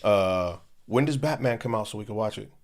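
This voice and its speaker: Young man, podcast co-host, low voice, relaxed slangy banter, jokey. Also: a little fast. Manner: laid-back slangy banter, jokey asides. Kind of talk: casual chat.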